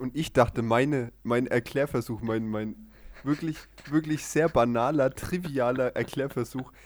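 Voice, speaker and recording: A man's unremarkable speaking voice, medium in pitch, fairly slow and fairly even in intonation. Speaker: podcast co-host and amateur rapper. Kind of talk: casual chat.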